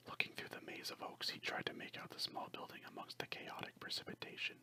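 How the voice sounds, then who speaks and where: A person speaking in a hushed, breathy whisper throughout, in a soft ASMR storytelling manner for listeners. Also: fast. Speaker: ASMR creator and amateur story writer.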